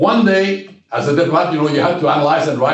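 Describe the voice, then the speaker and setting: A man with a Quebec accent talks amid audible room echo. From Quebec, Shawinigan area. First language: French. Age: 70s. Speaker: retired diplomat. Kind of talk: interview. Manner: halting, many repetitions.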